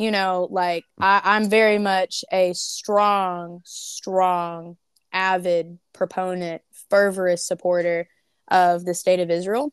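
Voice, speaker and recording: A woman with an Arkansas accent at a medium pitch, monotone and flat, very slow, with a dry, close sound with no echo on a very clean recording with a silent background. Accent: Southern US, Arkansas twang. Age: 20s. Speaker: entertainment industry founder and producer. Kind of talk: casual interview chat.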